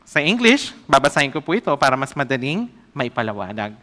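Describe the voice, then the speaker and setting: A man preaching a sermon as an evangelist, often asking the congregation questions and reading scripture aloud slowly. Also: medium pitch, sing-song, pushed and bright.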